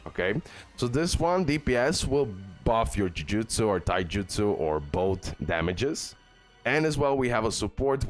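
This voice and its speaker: Male gaming video host, low voice, casual and informal guide-style commentary, music underneath. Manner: informal, often says bro and okay.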